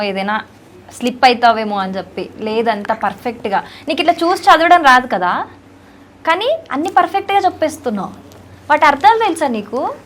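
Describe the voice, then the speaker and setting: A woman's voice: fairly high pitch, slight background noise. A woman with a Telugu accent interviewing a young child in a playful, teasing, affectionate way. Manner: teasing, affectionate, animated questions.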